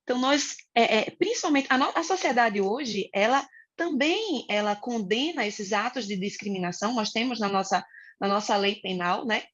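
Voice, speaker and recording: Brazilian woman teacher, thinking out loud w lots of uh, muffled audio. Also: on the high side, lively intonation, normal speed, husky. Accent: Brazilian Portuguese. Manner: reflective, hesitant fillers. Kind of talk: Bible study podcast discussion.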